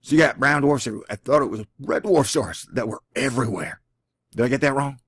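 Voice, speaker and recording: Talking fast in a slightly rough mid-range voice, a Texan-accented host from Texas reads a science article on his casual one-take vlog. Jokey, self-deprecating remarks punctuate the reading, and the close, lo-fi home recording is dry with no echo.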